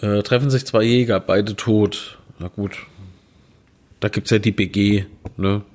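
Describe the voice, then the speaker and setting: A man's voice: fairly low pitch, fairly even intonation, a little slow, darkish tone. A man reading out puns in a dry, plain way, with self-mocking asides, recorded indoors on a handheld recorder set on a small tabletop tripod. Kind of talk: casual joke reading.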